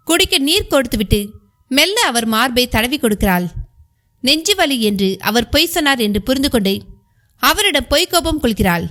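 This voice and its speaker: A woman narrating a historical novel as an audiobook, in a measured storytelling manner. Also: fairly high pitch, sharp tone.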